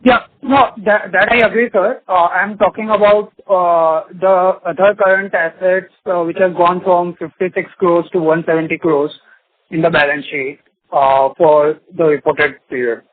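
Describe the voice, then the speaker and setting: This man. He asks an analyst's questions politely and haltingly, calling the executives sir. His voice comes through a tinny phone line. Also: sits high, fairly even intonation, dry recording. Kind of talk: asking questions on earnings call.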